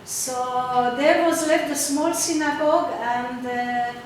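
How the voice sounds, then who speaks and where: The speaker is a high-pitched older woman, Hungarian by first language and from Czechoslovakia, giving a slideshow talk about her own artwork at an exhibition opening. She speaks haltingly, groping for words amid frequent fillers, and the recording is noisy, captured from afar in an echoey hall.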